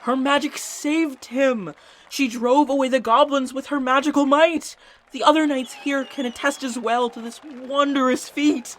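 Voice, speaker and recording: A woman's voice: high voice, fairly even intonation, a little slow. A woman playing a formal, polite attendant at a royal court in a fantasy audio drama. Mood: proclaiming.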